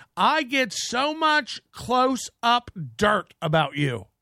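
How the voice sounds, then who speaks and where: A man speaks in a raised, projected voice at an extremely high pitch, bright and sharp in tone, with very wide pitch swings. The recording is very clean, with a silent background. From Florida. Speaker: podcast host. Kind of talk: casual chat.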